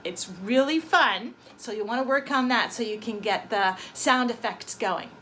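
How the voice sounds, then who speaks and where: A woman violin teacher explaining techniques gently and clearly, and telling a short spooky story with growing emphasis, with violin playing between her phrases. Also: a little high, normal speed, slight background noise, rough recording. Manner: storytelling with rising dramatic emphasis. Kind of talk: violin lesson with a told story. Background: violin sound effects between phrases.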